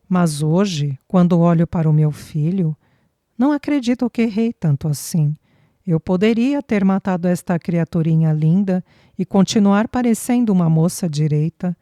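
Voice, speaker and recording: A woman's voice: lowish voice, unhurried, warm tone, dry recording, clean studio sound, lightly acted. A woman reading a young mother's lines with emotional, pleading speech.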